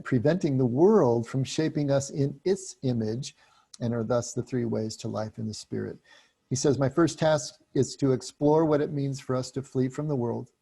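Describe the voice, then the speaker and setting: A man leading a group book study, explaining passages in a relaxed, chatty way with frequent restarts. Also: mid-range voice, creaky, husky.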